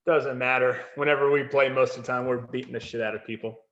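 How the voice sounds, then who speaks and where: A man's voice: mid-range voice, fairly even intonation, fast, a bit bright. A man with a mid-range voice chats informally from home on a video call. The audio is dull and somewhat lo-fi, and his delivery is unscripted and conversational. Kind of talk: casual chat.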